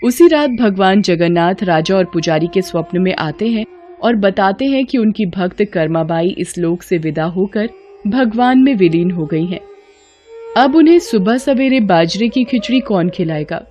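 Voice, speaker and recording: A woman tells a devotional folk tale in a steady, gentle narrating voice. Her pitch sits in an ordinary middle range, and she reads like a practiced storyteller. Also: moderate pace, highs cut off, soft background music. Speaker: storyteller voicing the women.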